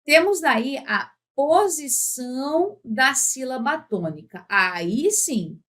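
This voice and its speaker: A woman's voice: high voice, very animated, fairly bright tone. Patient woman teaching grammar. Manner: patient, drawn-out words when giving examples; often checks in with "tá?". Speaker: Portuguese teacher. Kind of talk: exam-prep grammar lesson.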